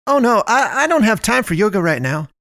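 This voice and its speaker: A man voicing a chirpy, bustling middle-aged woman who runs a shop and talks in high, rapid, breathless chatter. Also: very animated, fairly bright tone, no echo, clean studio sound, full character voice. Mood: harried.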